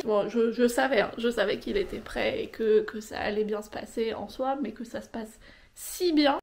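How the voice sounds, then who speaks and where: Fairly high in pitch and a little mellow, this young woman's voice belongs to a vlogger talking casually to camera from home. She sounds tired and sniffly from a cold and hesitates with many fillers.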